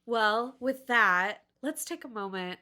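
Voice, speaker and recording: Woman, bright forceful voice, casual podcast host, playful and jokey. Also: a little high, slow, clear, resonant tone.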